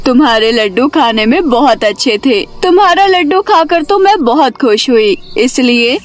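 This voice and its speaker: A woman playing a kindly, reassuring witch of the forest in an animated storybook tale. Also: high-pitched, normal speed, soft background music. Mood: friendly.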